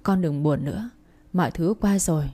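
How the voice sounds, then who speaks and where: A woman's voice: low voice, moderate pace, warm tone, slightly rough. A woman voicing a remorseful father who scolds and comforts his daughter. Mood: gentle. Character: remorseful middle-aged father, stern then gentle.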